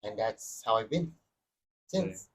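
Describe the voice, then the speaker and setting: A man in a casual podcast chat, telling his story in a halting, roundabout way and swearing now and then. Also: medium pitch, animated, gravelly, husky, poor audio. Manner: halting, many fillers and restarts, swears. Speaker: podcast guest.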